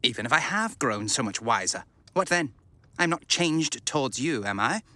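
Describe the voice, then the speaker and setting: A man's voice: medium pitch, animated, normal speed, pushed and bright, no echo. A man playing a proud, defensive, money-driven young suitor in an audio drama, speaking formally and argumentatively.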